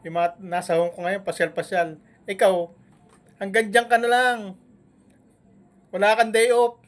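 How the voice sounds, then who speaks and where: A vlogger with a voice that sits high scolds and mocks a rival on a live stream, firing taunting jabs separated by long humming pauses.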